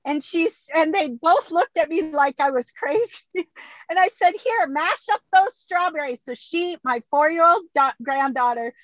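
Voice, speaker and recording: A woman's voice: very high-pitched, animated, normal speed, fairly bright tone, no echo. A woman in her sixties, chatting as a guest from her car and laughing often. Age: 60s. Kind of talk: casual video-call chat. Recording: dull lo-fi dry car sound.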